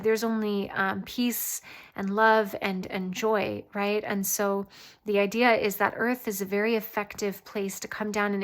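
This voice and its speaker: A woman host giving a casual channeled spiritual reading, often pausing mid-thought as if listening. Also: mid-range voice, a bit bright. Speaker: tarot reader and channeler, host.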